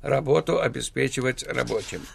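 A man, a guest author on a radio show, hesitating with fillers and reciting short verse slowly. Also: medium pitch, vocal fry. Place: radio studio.

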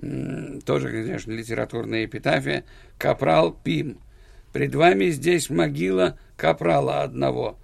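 A man, a guest author on a radio show, hesitating with fillers and reciting short verse slowly. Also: mid-range voice, vocal fry, dry recording. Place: radio studio.

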